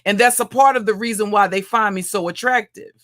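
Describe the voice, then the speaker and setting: A woman with a heavy, deep voice, ranting as a livestream commentator in a mocking, profane way, often repeating and restarting her phrases. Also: a little fast, a bit bright. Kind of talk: profane roast rant.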